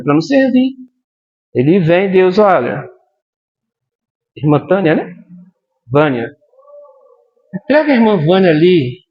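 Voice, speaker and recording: Brief: male pastor, animated sermon delivery, high and lively pitch, muffled lo-fi church recording. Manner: animated, addresses the congregation directly with frequent "amém?".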